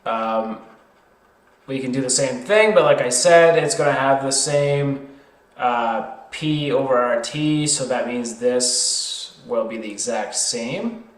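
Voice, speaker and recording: A male tutor talks through a worked problem at a slow pace, in an informal way. He is hesitant and thinks aloud, correcting himself as he goes. The sound is roomy, with clear echo around his voice. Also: medium pitch.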